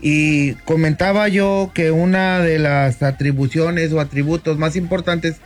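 A man in his fifties, a lawyer, explaining at length in a measured way on a radio talk segment from a studio booth. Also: a little high. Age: 50s. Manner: measured, explanatory, often addresses the host by name. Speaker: lawyer guest on radio show.

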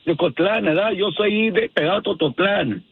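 A hoarse, husky man from Jalisco chatting on a muffled phone line, easygoing and quick to laugh. His voice sits a little high and sounds dry and close to the mouthpiece. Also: no echo. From Jalisco, Mexico. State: a bit hoarse. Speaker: radio caller.

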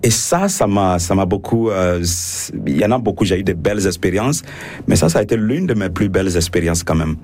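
A man's voice: deep voice, fairly quick, darkish tone, slight background noise. A French-speaking man, a priest, answering radio interview questions with many fillers and restarts.

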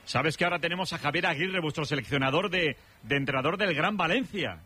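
A man from hosting a radio show, chatting and teasing his guests with quick jokes. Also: on the high side, bright, forceful tone, slightly rough. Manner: jokey, teasing, fast-talking. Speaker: radio host. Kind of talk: lively radio chat.

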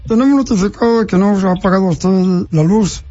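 High-voiced man teasing on a prank call. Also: fairly quick, mellow. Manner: teasing, mock-official. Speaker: radio prank call host. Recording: muffled lo-fi radio audio with faint music.

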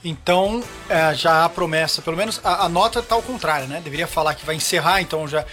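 A man's voice: fairly high pitch, quick pace, sharp tone, faint music behind. A man hosting a live radio show, chatting loosely with plenty of fillers. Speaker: radio host.

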